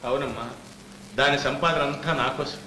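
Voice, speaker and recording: A man's voice: on the high side, moderate pace, pushed and bright. An actor playing a weary, put-upon father of a poor family in a film drama, grumbling indignantly. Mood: grumbling, wounded. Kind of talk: Telugu film drama acting. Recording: echoey old film soundtrack, faint noise.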